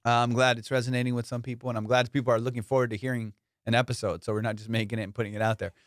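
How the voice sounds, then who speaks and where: Smooth-voiced man bantering on a podcast. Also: mid-range voice, little pitch movement, very fast, no echo, clean studio sound. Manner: slangy, profane, teasing banter. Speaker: comedian and podcast host. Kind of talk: casual comedic podcast chat.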